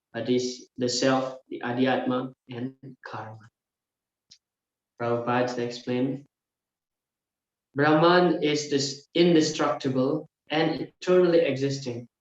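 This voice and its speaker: A man teaching a scripture class, explaining verse by verse and often filling pauses with "yeah" and "uh". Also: mid-range voice. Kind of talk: scripture lecture. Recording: very echoey room, dull lo-fi sound.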